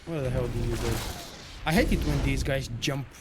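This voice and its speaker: A man's voice: medium pitch, normal speed, background noise. A man from Bulgaria with a heavy Bulgarian accent, chatting casually while streaming a game; Bulgarian is his native language. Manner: casual, chatty, self-deprecating. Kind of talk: live gameplay commentary. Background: game music.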